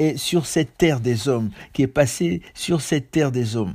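A man's fairly high, dark, mellow, somewhat breathy voice at a fairly slow pace, with lively intonation. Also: very clean recording, silent background. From Ivory Coast. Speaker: preacher. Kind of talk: sermon. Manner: halting.

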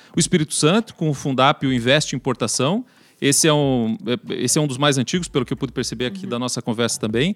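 A man speaks very fast with a rural Brazilian accent. His intonation is lively. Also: fairly high pitch for a man, dry, close sound with no echo, very clean recording, silent background. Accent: Brazilian countryside. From Brazil, countryside. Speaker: podcast co-host. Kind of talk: casual chat.

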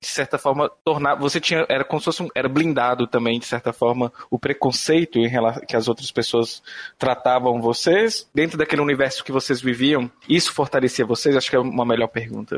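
In an ordinary speaking voice, a man of medium pitch talks at a fairly quick pace with hardly any pauses and fairly even intonation, the sound dry and close with no echo. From northern Minas Gerais, Brazil. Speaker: podcast co-host. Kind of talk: casual chat.

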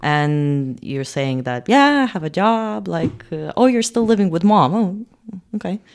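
A woman speaks in a Ukrainian accent at a fairly low pitch. Her pitch swings very widely. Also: fairly slow pace. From Ukraine, Kyiv. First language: Ukrainian or Russian. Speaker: political scientist and volunteer activist. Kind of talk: casual interview.

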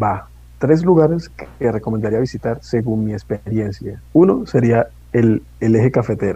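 A man speaks with a dark, mellow tone and a Colombian accent. His voice is somewhat breathy. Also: medium pitch for a man, ordinary pitch variation, moderate pace. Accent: Colombian Spanish, unlike a famous singer. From Colombia (born Barranquilla, lives near Bogotá). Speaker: guest, coworker. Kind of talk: casual chat. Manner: halting, many repeated words.

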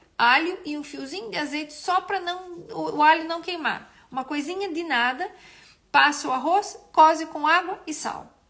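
At an extremely high pitch, a woman speaks in a bright, sharp tone with ordinary pitch variation. Her moderate pace comes with big swings in loudness. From Brazil. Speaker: nutritionist. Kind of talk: live-stream talk. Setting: live video stream.

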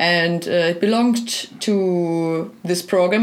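Fairly low in pitch, the woman keeps a fairly even intonation. Noticeable background noise runs behind her. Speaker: podcast host. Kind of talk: casual podcast conversation.

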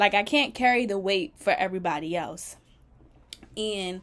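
On a very clean recording with a silent background, a woman speaks at a moderate pace and medium pitch. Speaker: solo podcast host. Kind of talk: casual monologue.

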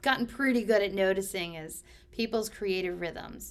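With an American accent and ordinary pitch variation, an ordinary speaking voice proceeds at a moderate pace. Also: woman. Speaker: art instructor. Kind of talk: interview conversation.

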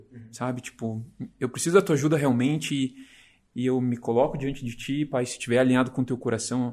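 A plain, everyday voice from a man at medium pitch, with fairly even intonation over a quiet background. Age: 30s. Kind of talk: casual chat.

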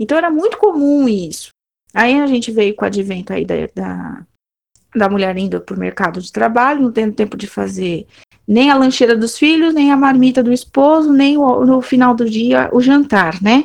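In an unremarkable speaking voice, a woman talks at a moderate pace, fairly high in pitch, with lively intonation. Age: 30s. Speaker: podcast host. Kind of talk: casual chat.

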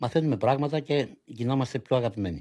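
A somewhat breathy male voice with a dark, mellow tone, in a very clean recording with a silent background. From Greece, Athens area (Egaleo). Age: 50s. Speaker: founder of a social kitchen for the homeless. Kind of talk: casual interview.

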